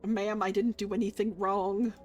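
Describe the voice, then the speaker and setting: A woman streamer playing a visual novel, reacting casually in a playful, slangy and expressive way. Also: mid-range voice, normal speed. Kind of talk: animated read-aloud with casual reactions. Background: game music.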